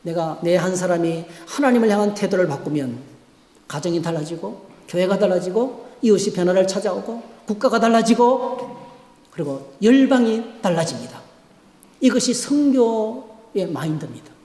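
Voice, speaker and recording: A man preaching a sermon as pastor, emphatic, swinging between loud peaks and quiet stretches. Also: high voice, animated, normal speed. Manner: emphatic preaching with sweeping rises and drops in volume. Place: church sanctuary. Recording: echoey church hall.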